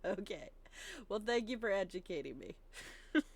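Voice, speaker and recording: A woman's voice: mid-range voice, lively intonation, moderate pace, creaky. A woman co-hosting a gaming video, chatting casually as she plays. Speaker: gaming channel co-host. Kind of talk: casual chat over a game playthrough.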